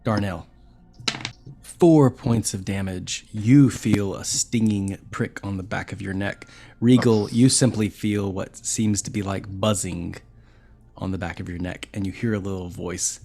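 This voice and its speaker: A man with a fairly low voice acts as game master. He narrates a tabletop game and prompts the players in the second person. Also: fairly even intonation, measured pace, creaky, warm tone.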